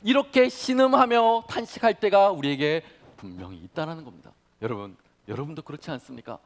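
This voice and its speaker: Higher-voiced man preaching dramatically. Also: expressive, fairly quick. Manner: dramatic, acts out prayers and quotes, swings from soft to loud. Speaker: pastor. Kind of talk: sermon.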